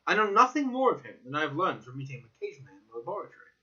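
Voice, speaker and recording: Wry, cautious gentleman, read by a male performer, explanatory and emphatic, swooping pitch, lo-fi storybook recording. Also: big pitch swings, rapid-fire. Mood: defensive. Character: Stamford, cautious, wry young gentleman companion. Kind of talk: dramatic audiobook reading. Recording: dull lo-fi recording.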